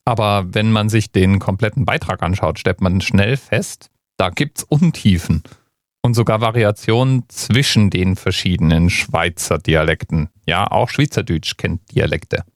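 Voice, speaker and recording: Male host from Bavaria, lower voice, casual explainer delivery, dry. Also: no echo. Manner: conversational, explanatory. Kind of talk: scripted explainer narration.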